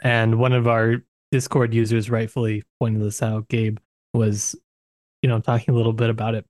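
A man's voice: fairly low pitch, monotone, normal speed, a little mellow, dry recording, studio quality. A man co-hosting a book discussion podcast, talking in a thoughtful, searching way with frequent restarts. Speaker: podcast co-host.

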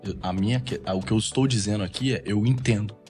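A man, a podcast host giving measured, reassuring reflections and sometimes searching for his words. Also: fairly low pitch, darkish tone, faint music behind. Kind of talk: reflective commentary.

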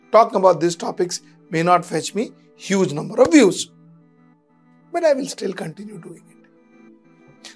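Emphatic Indian woman host, lower-pitched voice. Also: darkish tone. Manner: emphatic, repeats phrases for stress. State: strained voice from a throat problem. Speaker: host of an editorial show. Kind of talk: scripted editorial commentary addressed to viewers.

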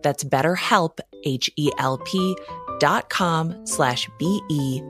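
Low-voiced woman hosting over music. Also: takes it slowly. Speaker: podcast host. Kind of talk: host intro and ad read. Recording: studio read over clear music.

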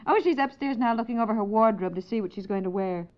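An actress playing a breezy, sensible American wife and mother who gently teases, in a 1950s radio comedy. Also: a little high, fast, lightly acted. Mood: cheerful, chatty. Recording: dull, lo-fi 1950s radio recording.

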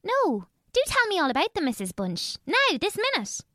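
A woman acts a twelve-year-old orphan boy in an audio drama. The voice is high and very lively in pitch, well-mannered, earnest and full of curiosity. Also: normal speed, no echo, studio quality, exaggerated voice. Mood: curious, eager.

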